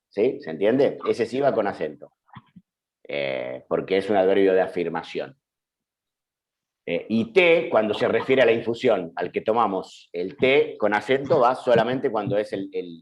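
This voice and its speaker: A man's voice: on the low side, darkish tone, dull audio. Man teaching a patient online class. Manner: patient, explanatory, checks in with frequent "¿sí?". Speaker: journalism teacher. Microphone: computer mic on a video call.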